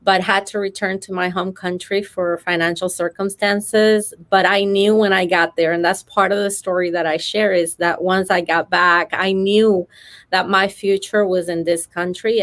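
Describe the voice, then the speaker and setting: A woman's voice: lowish voice, steady tone, moderate pace, fairly bright tone. A middle-aged woman from Venezuela with a Venezuelan Spanish accent, telling her story earnestly and carefully as an interview guest. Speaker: podcast guest, motivational speaker.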